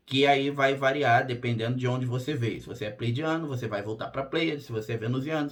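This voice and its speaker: A hoarse man hosting his own channel as a spiritual therapist, talking straight to camera in a plain, direct way, often checking in with his listeners. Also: medium pitch. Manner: direct and plain-spoken, frequent "tá?" check-ins. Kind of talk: casual monologue to camera.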